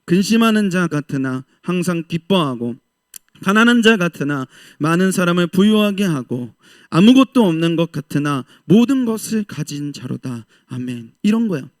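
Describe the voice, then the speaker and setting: Fervent high-voiced pastor preaching. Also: male voice, normal speed, dry recording, studio quality. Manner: passionate, swings from loud exhortation to soft asides; voices the doubters and God's reply in lively quoted speech. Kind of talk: sermon to a young adults' service.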